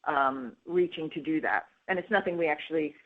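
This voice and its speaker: A woman's voice: low-pitched, brisk. A woman executive answering analyst questions on an earnings call, in a conversational way with frequent fillers. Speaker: company executive. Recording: tinny phone line.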